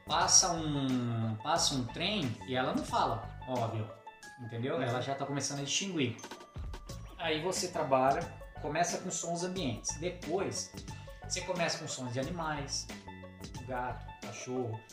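A man's voice: on the high side, expressive, normal speed, over music. Man teaching in an echoey room. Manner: explains step by step, often asks "entendeu?". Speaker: teacher explaining phonics. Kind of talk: casual instructional talk.

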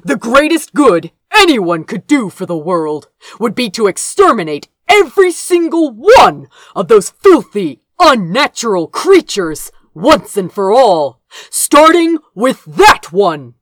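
A woman's voice: fairly high pitch, very animated, slow, dry recording, voice pushed up, heavily acted. Woman voicing an arrogant, domineering royal older brother. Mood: incensed disgust. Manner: stern, condescending, clipped commanding delivery.

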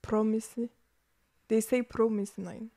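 A young woman co-hosting a podcast in casual chat, blunt with quick reactions. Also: a little high, little pitch movement, dark tone. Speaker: podcast co-host.

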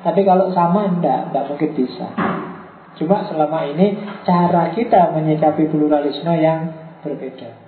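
A man's voice: fairly high pitch, moderate pace. A man giving a lecture. He poses his own questions, answers them, and drops English phrases into his talk. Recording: tinny, phone-like and echoey.

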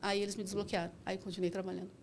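A woman rideshare driver, telling comic stories from her job in animated, casual chat. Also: medium pitch, vocal fry, a loud crowd. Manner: animated, quick, acts out dialogue in her stories. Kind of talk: casual comic storytelling on a podcast.

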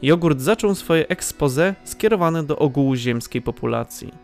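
Male narrator, somewhat high pitch, scripted audio drama storytelling, light background music. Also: expressive, normal speed, gravelly, darkish tone. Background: faint music.

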